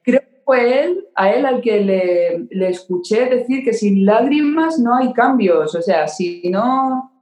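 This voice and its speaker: A woman's voice: a little high, lively intonation, slow, few pauses, a little mellow. Open-hearted woman, roomy sound. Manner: open, emotional, repeats words for emphasis. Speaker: podcast guest. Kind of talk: candid conversation.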